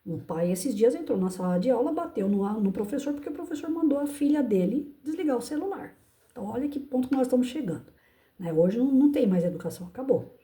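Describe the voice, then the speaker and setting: A Brazilian woman, a teacher, telling a story in an emphatic, animated casual monologue. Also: on the high side, fast talker. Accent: Brazilian Portuguese. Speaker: teacher and channel host. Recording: echoey room.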